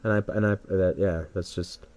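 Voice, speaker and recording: A man's voice: deep voice, fairly even intonation, moderate pace, darkish tone. A young man streaming a game, congested, rambling hesitantly with many restarts while he waits for a match. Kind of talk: rambling solo stream chat.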